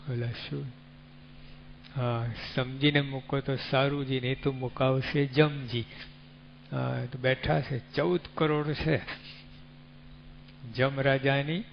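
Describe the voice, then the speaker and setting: Male preacher, measured sermon delivery, faint hum in the background. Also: mid-range voice, vocal fry. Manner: unhurried, teaching with rhetorical questions and animal examples. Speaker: religious speaker. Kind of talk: devotional sermon. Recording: dull lo-fi recording with faint hum.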